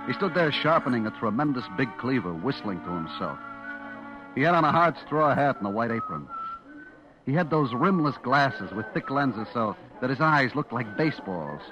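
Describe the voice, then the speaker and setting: Guy acting young american store clerk in old radio suspense play, lovestruck and slangy, pitch moves a lot, muffled old recording. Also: natural voice. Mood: uneasy, fascinated. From eastern United States. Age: young adult. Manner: slangy, confiding storytelling. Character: brash, lovestruck young male supermarket clerk narrating his downfall. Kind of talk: 1950s radio suspense acting, first-person narration. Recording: dull vintage radio recording with music.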